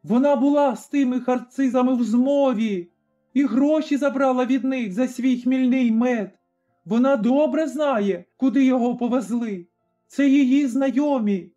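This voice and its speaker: A man's voice: very high-pitched, normal speed, dark tone, pitched above the performer's own voice. A man voicing a young servant girl who speaks urgently and accusingly in a storybook reading. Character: young servant girl, frightened but bold. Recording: slightly dull recording, faint music.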